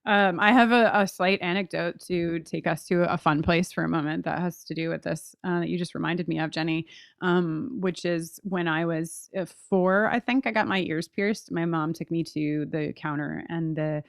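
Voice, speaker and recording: A woman's voice: lowish voice, fairly even intonation, normal speed, creaky, clear, resonant tone, dry recording, studio quality. A woman co-hosting a podcast, talking in a casual, analytical way with emphatic, conversational delivery. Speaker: podcast co-host.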